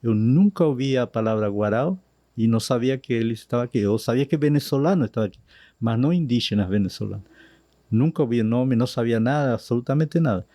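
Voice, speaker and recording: A man's voice: medium pitch, no echo, clean studio sound. A man from Argentina, a Spanish native speaker, telling his story as a missionary guest in a podcast interview in Portuguese with an Argentine accent, drifting into Spanish words. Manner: slow, animated retelling with Spanish words slipping in.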